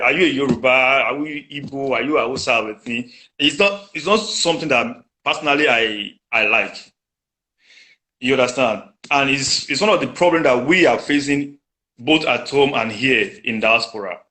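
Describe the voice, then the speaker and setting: A man's voice: mid-range voice, normal speed, pushed and bright, poor audio. A Nigerian man from the southwest of the country, a guest in a casual interview, who stops and restarts his phrases. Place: abroad in the diaspora.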